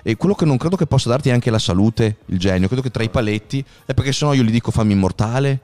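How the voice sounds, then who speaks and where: A man's voice: medium pitch, expressive, very fast, a little mellow. A man co-hosting a livestream, chatting casually in a playful, sometimes mock-formal way. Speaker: livestream co-host. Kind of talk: casual bantering chat.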